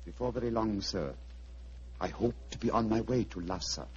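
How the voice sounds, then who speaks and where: A man playing Sherlock Holmes as a calm, probing detective, with courteous, insistent speech, in 1940s radio drama style heard on an old broadcast recording. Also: fairly low pitch, moderate pace, over loud music. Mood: determined. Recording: dull lo-fi vintage radio broadcast.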